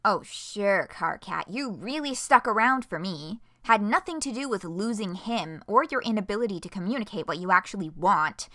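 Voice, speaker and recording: A woman's voice: medium pitch, expressive, moderate pace, hardly any pauses, sharp tone, no echo, studio quality. A woman voicing a bitter, sarcastic young woman snapping at a friend.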